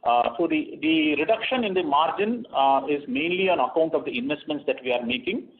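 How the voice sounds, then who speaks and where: A man presents quarterly financial results over a conference call. He speaks in a measured way, with frequent "uh" fillers and restarts. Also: fairly high pitch, animated. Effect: heard over a conference call line. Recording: tinny phone-line conference call audio.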